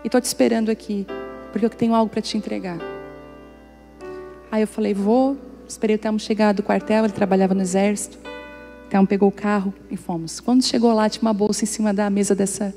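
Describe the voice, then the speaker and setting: Woman pastor telling stories, mellow voice. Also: mid-range voice, flat delivery, fast, big-room sound, faint music behind. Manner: storytelling, acts out dialogue, jokes with congregation. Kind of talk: sermon with personal stories.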